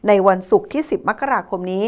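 A woman news presenter delivering a scripted local news report in a polite, formal manner. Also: fast.

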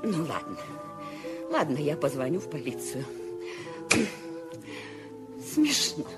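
A nervous, shrill bedridden lady. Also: huge pitch swings, slow pace, music in the background, heavily acted. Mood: anxious. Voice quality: shrill, imperious and fretful. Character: nervous bedridden wealthy woman, irritable and demanding. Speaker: Mrs. Stevenson. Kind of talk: Soviet-era radio play acting.

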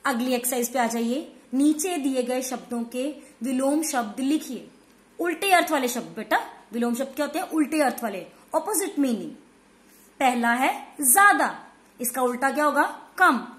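A woman's voice: high voice, animated, a bit bright, reverberant. A woman teacher giving a lesson to young children, asking questions and answering them herself, then spelling words out letter by letter. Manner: explains slowly, spells words letter by letter, asks and answers her own questions. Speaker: school teacher. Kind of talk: online class lesson. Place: room at home.

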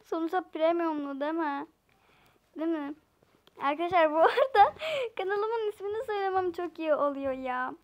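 A woman's voice: very high voice, moderate pace. A young woman with a Black Sea Turkish accent giving playful, chatty commentary to viewers while playing a game. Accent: Turkish, Black Sea (Trabzon). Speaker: gaming channel host. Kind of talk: casual gameplay commentary.

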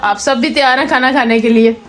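A woman's voice: fairly high pitch, steady tone, brisk, a bit bright, slight background noise. A woman in her thirties narrating a family vlog at home, chatty and casual, mixing in English phrases. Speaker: family vlogger.

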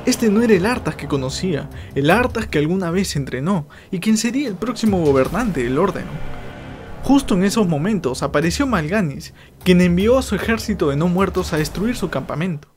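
A man narrates game lore from a script. His voice sits somewhat high for a man. Faint music runs underneath. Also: animated, fairly quick.

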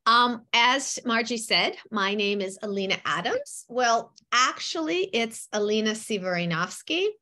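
Animated woman author on a video call. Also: a little high, a little slow. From Ukraine, raised partly in the United States. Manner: animated, gestures a lot, acts out quotes. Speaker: author giving a talk. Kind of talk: lively storytelling talk. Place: home room with bookshelves. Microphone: webcam on a video call.

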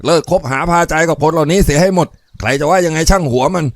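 A wily middle-aged rural gangster, as a man puts him on, who talks a little higher and very fast and keeps pressing hard. The sound is dry and close. He sounds like someone who always has an angle. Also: no echo, natural voice. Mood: urgent warning. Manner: urging, streetwise.

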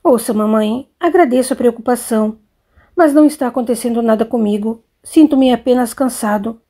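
A woman's voice: fairly high pitch, fairly quick, mellow, natural voice. A woman voicing a sulky, restless young man in an audiobook, giving curt, defensive replies. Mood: weary.

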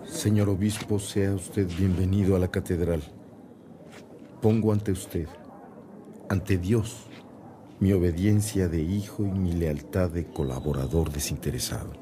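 An actor playing a devout, humble Catholic priest in a radio drama, reverent and earnest. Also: male voice, deep voice, fairly even intonation, a little slow, background noise. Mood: humble, solemn.

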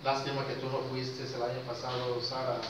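A man, giving an informal lecture to a small class in an unhurried way, with pauses and questions to his listeners. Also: mid-range voice, monotone, recorded from a distance. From Costa Rica. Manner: unhurried, pausing between short phrases, questioning listeners. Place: small indoor classroom with whiteboard. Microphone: handheld camera a few metres away. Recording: very echoey, noisy, muffled room recording from afar.

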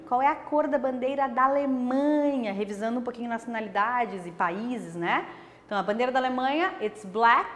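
Patient woman teacher, slightly high voice. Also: long reverb tail. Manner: patient explaining, slowing down for example phrases. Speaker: language teacher. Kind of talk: online classroom lesson.

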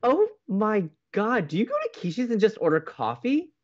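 Guy acting dramatic moody young college radio host, hopeless romantic, pitch all over, slightly muffled, romcom podcast. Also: huge pitch swings, moderate pace, full character voice. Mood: dramatic, indignant. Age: young adult.

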